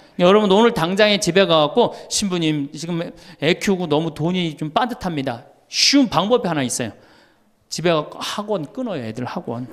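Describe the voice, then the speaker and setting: A high-pitched man speaks with lively intonation. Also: moderate pace. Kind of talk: speaking to an audience, sermon-like.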